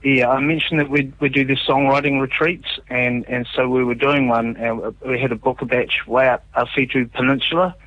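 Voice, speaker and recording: Man, New Zealand accent, musician guest, animated storyteller, muffled lo-fi sound. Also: mid-range voice, moderate pace, few pauses. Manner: animated storyteller, relaxed and chatty. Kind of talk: casual radio interview.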